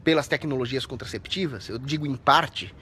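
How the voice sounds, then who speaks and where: A man's voice: mid-range voice, normal speed, slight background noise. A young Brazilian man hosting a live stream, reading viewer comments between indignant, profane rants. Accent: Brazilian Portuguese. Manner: shouts out viewers' names. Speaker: livestream host.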